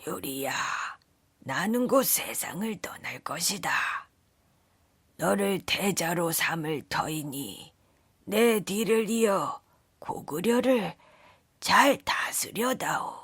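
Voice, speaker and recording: A performer voicing an old, ailing king and loving father with solemn, drawn-out, emotional delivery. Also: mid-range voice, animated, a bit bright, husky, dry recording, full character voice. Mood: weak, dying.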